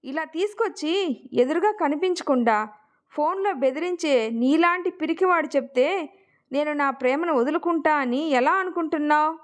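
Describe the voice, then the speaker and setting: A woman voicing a proud, heartbroken young woman who talks back in sharp, emphatic retorts in a family storytelling narration. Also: sits high, moderate pace, close to an everyday voice. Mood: defiant.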